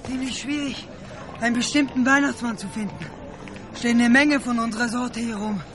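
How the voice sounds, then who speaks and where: A man's voice: very high-pitched, steady tone, a little fast, background noise. An actor playing a male henchman in a Santa costume who makes dry, grumbling remarks.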